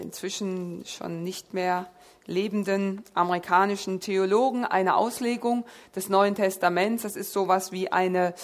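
Woman preaching a casual sermon. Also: medium pitch. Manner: direct and conversational, reads scripture aloud and explains Greek words. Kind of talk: sermon with Bible exposition.

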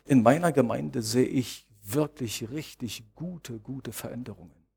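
A male pastor delivering a sermon in a measured, deliberate way. He circles back on key phrases and poses rhetorical questions. His voice has a gravelly, husky grain. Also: mid-range voice, darkish tone.

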